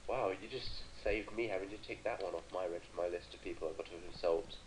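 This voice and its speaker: A man's voice: sits low, quick pace, slight background noise, low-quality recording. A British man chatting on a call, teasing his friend with dry banter. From Britain. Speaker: co-commentator on a call. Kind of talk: casual chat.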